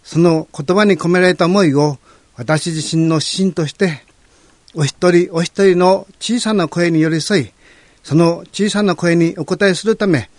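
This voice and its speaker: A man serving on a city council, giving a formal, polite prepared statement in a measured, earnest way. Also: a little high, no echo.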